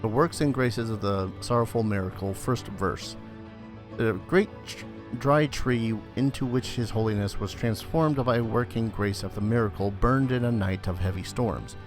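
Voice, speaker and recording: Speaking at a normal pace in a fairly low voice, this male let's play host offers laid-back game commentary. He mutters to himself, swears mildly, and occasionally reads on-screen text aloud, with video game music playing behind him.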